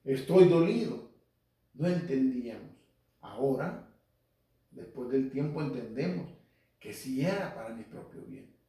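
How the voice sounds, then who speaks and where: A man gives an earnest, conversational Bible talk on the radio, repeating points and speaking straight to his listeners. His voice is mellow and warm. He sits well back from the microphone, and the room sounds very echoey. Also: medium pitch, expressive, measured pace, pauses often. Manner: earnest, repetitive, addresses listeners directly. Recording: very echoey, speaker far from mic.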